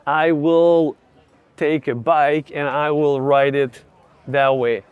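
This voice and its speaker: A young man with a Ukrainian accent, vlogging outdoors while walking city streets, chatting casually and slowly explaining English words. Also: fairly high pitch, little pitch movement, clean tone, no room sound, narrow, tinny audio. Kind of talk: casual travel vlog with teaching asides.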